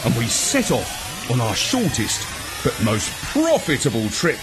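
A man narrating a children's space story in an expressive, dramatic, measured way, as a wry dog adventurer. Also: medium pitch, music in the background.

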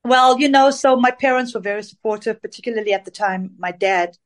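A woman's voice: a little high, fairly quick. A woman singer from Zambia answering interview questions in a chatty, rambling way with many fillers over a remote call. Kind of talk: casual interview.

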